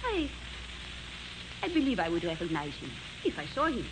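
A woman's voice: on the low side, sing-song, moderate pace. Proud, defensive lady in vintage radio drama. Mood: defensive, pleading. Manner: formal, precise phrasing without contractions. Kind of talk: 1940s radio acting. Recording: noisy, hissy 1940s radio recording.

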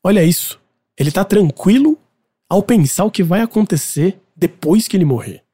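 Man, Brazilian Portuguese accent, slightly high voice, warm and mellow tone, casual opinionated music talk. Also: animated, normal speed, slightly rough. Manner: chatty, opinionated, explanatory. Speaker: podcast host presenting a music segment.

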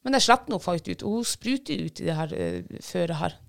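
Woman handler chatting away about her dog, gravelly but smooth voice, lots of ehs. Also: on the low side. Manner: lively retelling with many fillers and restarts. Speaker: guest, bird dog handler. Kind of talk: casual storytelling.

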